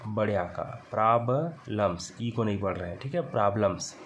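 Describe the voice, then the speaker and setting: A male English teacher with a Hindi accent, reading a text slowly word by word and explaining each part. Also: fairly low pitch, a little hiss or hum. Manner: reads English words slowly, then explains them in Hindi. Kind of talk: classroom lesson explaining a text.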